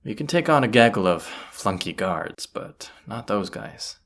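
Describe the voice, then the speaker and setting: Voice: low voice, big pitch swings, a little slow, fairly bright tone, full character voice. A performer playing a roguish bandit leader in a fantasy audio roleplay, grumbling yet confident, with folksy, sardonic muttering to the listener. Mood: tense, sardonic.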